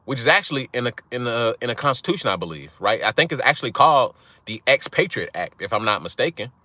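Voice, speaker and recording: A young adult man hosting his own channel speaks straight to viewers in a casual monologue, blunt and profane, repeatedly asking "right?" to press his points. His voice is mid-range with a sharp tone and no echo.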